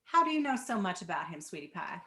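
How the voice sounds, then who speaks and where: A woman's voice: on the low side, sing-song, fast talker, sharp tone. A woman voicing a reckless, flippant young rebel daughter in a screenplay table read. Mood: flippant, teasing.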